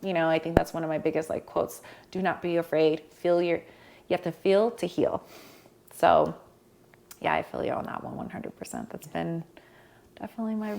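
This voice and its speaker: Low, gravelly-voiced woman talking openly. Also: steady tone, normal speed, a little mellow. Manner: candid, rambling, laughs often. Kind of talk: candid conversational chat.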